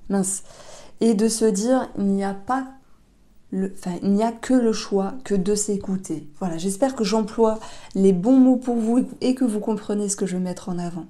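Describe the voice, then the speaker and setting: A woman giving a tarot reading, talking gently and unhurriedly with fillers and self-corrections. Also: medium pitch, normal speed. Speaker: tarot reader.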